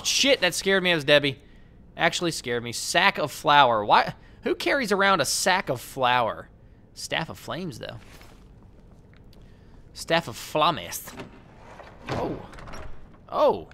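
A let's play host gives loose, profane, rambling commentary while gaming, talking back to the game and its characters. His voice is a little high, creaky, pushed and bright, with a bit of hiss or hum in the audio.

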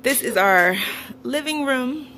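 A woman's voice: high voice, expressive, takes it slowly, bright, forceful tone, faint music behind. A young woman walking through her house and chatting casually about each room, laughing often and ranting now and then, filmed on a handheld phone. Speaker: vlogger. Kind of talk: casual house tour vlog. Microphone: phone camera held while walking. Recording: noisy home recording.

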